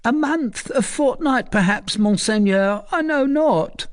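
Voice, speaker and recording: A man's voice: sits high, big pitch swings, normal speed, pitched above the performer's own voice. A man voicing a surly, frightened old woman recluse who stammers and pleads. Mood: pleading tearful.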